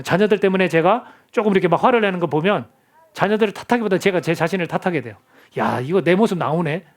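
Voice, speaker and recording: Earnest high-voiced male pastor preaching. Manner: earnest, conversational preaching with rhetorical questions. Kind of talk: sermon. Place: church sanctuary.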